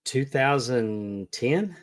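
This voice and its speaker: A man's voice: mid-range voice, lively intonation, extremely slow. Man in his late fifties, chatting casually. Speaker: podcast co-host answering quiz questions. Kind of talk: casual chat.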